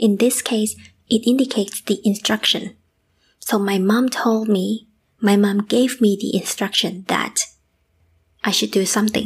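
A woman with a Thai accent speaks at a fairly high pitch, somewhat breathy, with fairly even intonation. Long, frequent pauses break up her speech. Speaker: language teacher and podcast host. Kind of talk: tutorial. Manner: slow and clear.

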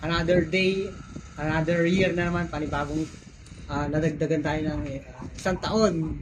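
Amid noticeable background noise and audible room echo, a man with a fairly high pitch and fairly even intonation speaks at a fairly slow pace with long, frequent pauses. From Philippines, Tarlac. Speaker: vlogger. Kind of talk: casual vlog address to viewers. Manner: halting.

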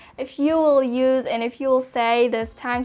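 Speaking at a moderate pace, a woman uses a high pitch and fairly even intonation while faint music sounds in the background. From Kazakhstan. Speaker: English teacher YouTuber. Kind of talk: casual talk to camera. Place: home room. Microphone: phone near.

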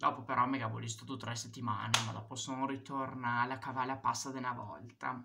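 Loud background noise sits behind a man speaking at a very fast pace with hardly any pauses. His medium-pitched voice, in a Venetian accent, keeps fairly even intonation. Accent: Venetian (Vicentino) Italian. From Italy, Veneto (Vicenza area); Veneto, Italy. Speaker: YouTuber, makeup vlogger. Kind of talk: makeup tutorial in dialect. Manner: casual, chatty. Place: home room. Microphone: phone near.

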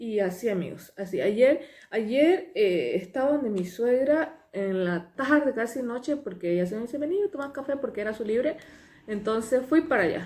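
A woman's dark, mellow tone at a moderate pace. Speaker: home vlogger. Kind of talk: casual vlog chat. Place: kitchen. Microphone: phone near.

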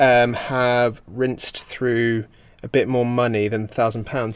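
The sound is dry, with no echo. A man is talking. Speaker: van conversion vlogger. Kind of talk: casual vlog chat. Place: car. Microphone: phone near.

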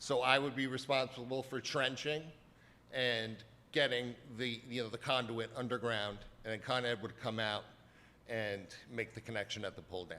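Loud and medium-pitched, a man speaks at a moderate pace with fairly even intonation and long, frequent pauses. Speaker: property owner applicant. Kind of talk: public meeting testimony. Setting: town planning board meeting.

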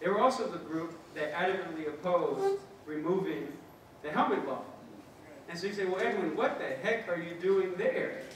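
Heard through audible room echo and light background noise, the voice shows ordinary pitch variation. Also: man, high pitch for a man, moderate pace. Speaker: event host and injury prevention researcher. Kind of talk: event hosting. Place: hall.

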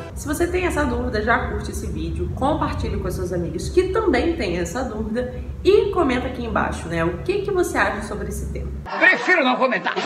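A woman's fairly quick speech comes with noticeable background noise behind it. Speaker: fitness coach. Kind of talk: casual vlog advice. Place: gym. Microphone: phone near.

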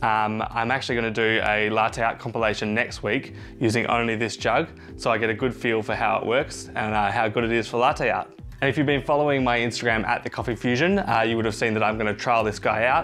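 Faint music plays in the background. A man talks at a very fast pace with very even loudness and fairly even intonation. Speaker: coffee channel host. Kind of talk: casual vlog chat. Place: home room. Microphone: lapel.

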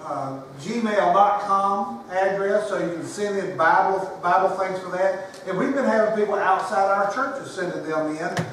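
A man talks in a high voice at a fairly slow pace with ordinary pitch variation. Strong room echo and light background noise fill the recording. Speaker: pastor. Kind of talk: church announcements. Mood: friendly, joking. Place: church.

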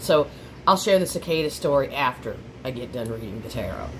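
Noticeable background noise accompanies a woman whose lively intonation carries at a moderate pace. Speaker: tarot reader. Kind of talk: casual tarot reading chat. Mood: playful, upbeat. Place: home room. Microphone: phone near.

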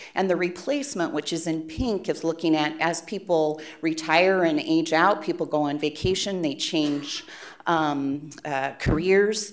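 A woman with a normal speaking voice talks at a fairly slow pace, her fairly low pitch showing ordinary variation. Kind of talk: conference presentation. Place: hall.

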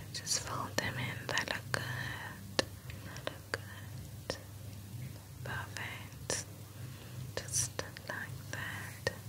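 A woman's very slow delivery, broken by long, frequent pauses. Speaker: ASMR artist. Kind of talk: ASMR personal attention role play. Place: home room.

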